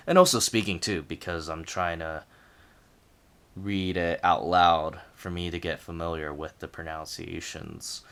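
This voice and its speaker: Very deep-voiced man, clear and smooth. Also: fairly bright tone. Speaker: language learner sharing progress. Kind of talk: casual reflective talk to camera.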